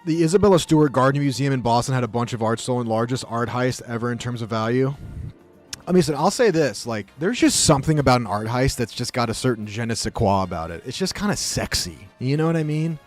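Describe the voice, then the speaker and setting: A man's voice: mid-range voice, lively intonation, fast talker, soft background music. A man streaming live, chatting casually with viewers, joking and rambling as he reacts to the chat.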